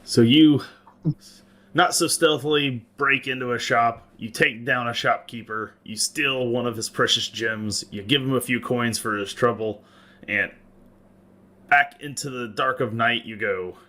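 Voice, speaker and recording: A man narrating and refereeing a tabletop role-playing game as game master, conversational and pausing to explain rules. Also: medium pitch, bright, forceful tone.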